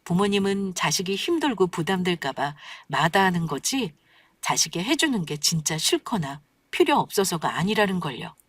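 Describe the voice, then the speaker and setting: A woman's voice: on the low side, animated, moderate pace, breathy edge, no echo. Woman narrating a wry story.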